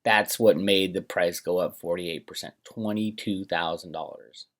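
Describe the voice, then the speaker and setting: A man's voice: sits low, steady tone, measured pace. A man hosting a financial commentary vlog, talking casually and emphatically to viewers with opinionated asides and rhetorical questions.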